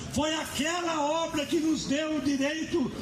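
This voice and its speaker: Noticeable background noise and audible room echo fill the recording. A man speaks at a very slow pace. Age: 60s. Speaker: street evangelist. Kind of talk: street preaching.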